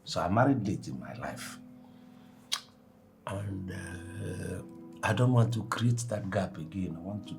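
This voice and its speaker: An actor playing a widowed, middle-aged father with a Nigerian accent who speaks earnestly and softly. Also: low-pitched, animated, measured pace, creaky, pauses often, music in the background, exaggerated voice. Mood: tender. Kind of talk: Nollywood film acting.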